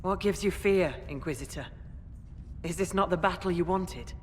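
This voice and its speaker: A woman's voice: moderate pace, close to an everyday voice. A woman playing a blunt, proud tribal raid leader in a video game, speaking in formal declarations. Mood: blunt, resolute. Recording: reverberant, noisy rumble.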